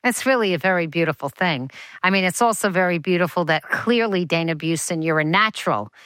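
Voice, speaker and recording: A woman's voice: on the low side, fairly quick, a bit bright, dry recording. Chatty, enthusiastic woman host. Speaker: radio or podcast host. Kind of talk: interview hosting.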